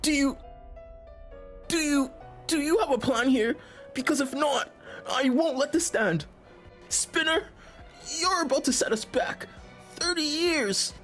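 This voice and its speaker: A woman playing an indignant, defiant anime character with a halting, confrontational delivery. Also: sits high, faint music behind.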